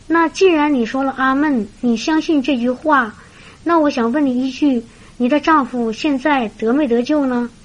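A woman voicing a calm male pastor. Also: very high voice, highs cut off. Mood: patient. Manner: measured, prayerful, gently questioning. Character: calm middle-aged male pastor, patient.

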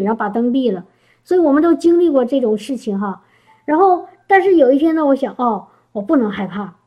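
A middle-aged woman preaches in a high, light voice. She talks to her listeners like a friend, restarting her phrases and asking them rhetorical questions. Her sermon sounds like a relaxed, informal chat. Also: muffled recording.

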